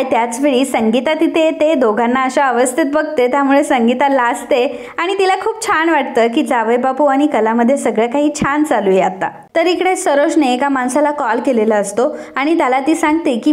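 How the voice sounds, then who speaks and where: A woman retelling a TV serial episode in a lively storytelling manner, acting out each character's lines. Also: high-pitched. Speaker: TV serial recap narrator.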